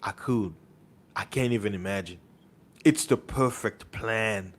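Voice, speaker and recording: Man, low-ish voice, slow and insistent online preacher, heavy on rhetorical questions and repetition. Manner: insistent, rhetorical questions, repeats words for emphasis. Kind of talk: impassioned monologue.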